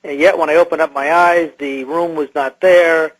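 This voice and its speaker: A man speaking through a voice-altering effect, recounting personal experiences haltingly as a guest in a radio interview. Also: fairly high pitch, steady tone, low-quality recording. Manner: hesitant, halting. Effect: electronically altered disguised voice.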